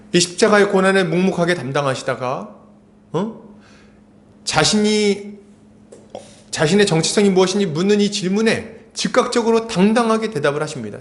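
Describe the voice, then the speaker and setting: A man preaching a Sunday sermon, animated, asking the congregation rhetorical questions and acting out quotes with sudden shouts. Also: high voice. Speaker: pastor.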